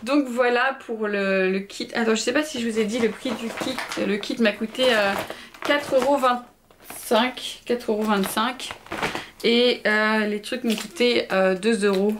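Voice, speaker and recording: A woman's voice: on the high side, steady tone, normal speed, hardly any pauses, noisy background. Chatty young woman with many fillers. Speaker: vlogger. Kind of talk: casual haul video chat. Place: home.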